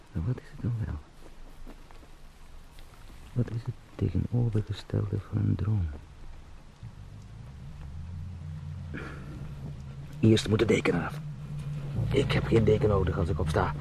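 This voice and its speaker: An actor playing an anxious travelling salesman in a radio drama, muttering haltingly and repetitively to himself in a gravelly voice. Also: fairly low pitch, noisy background. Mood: bewildered, rationalizing.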